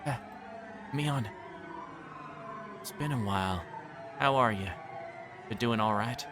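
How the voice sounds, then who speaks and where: A man voicing a friendly, concerned teenage boy in a visual novel, with a gentle, questioning manner. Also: medium pitch, takes it slowly, lightly acted. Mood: friendly surprise. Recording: music playing behind the voice.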